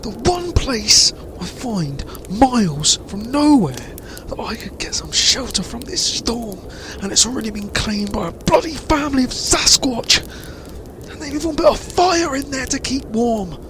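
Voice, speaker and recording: A man playing a frightened, freezing fugitive wanderer in an audio drama, halting and melodramatic. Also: very high voice, animated, bright, forceful tone, exaggerated voice. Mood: panicked, bewildered. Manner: halting, breathy, melodramatic exclamations. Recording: noisy background ambience.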